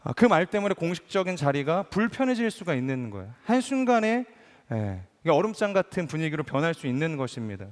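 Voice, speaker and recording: Pastor preaching to a reverberant church hall. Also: male voice, fairly high pitch, very animated, fast talker. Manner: conversational preaching with rhetorical questions; acts out quoted speakers in changed voices. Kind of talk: sermon.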